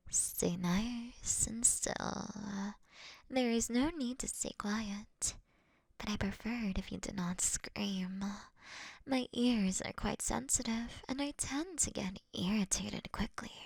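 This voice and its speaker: Woman doing a flirty predatory vampire queen, highish voice w some creak, slow n whispery, roleplay audio. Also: no echo, full character voice. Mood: menacing, dominant. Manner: breathy, often whispered, refined and unhurried. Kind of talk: intimate roleplay audio drama, ASMR-like.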